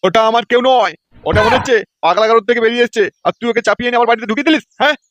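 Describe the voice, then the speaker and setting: A man's voice: extremely high pitch, racing, fairly bright tone, no room sound, lo-fi sound. A man playing a suspicious, bullying older householder in a comedy cartoon, scolding indignantly. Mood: indignant, threatening.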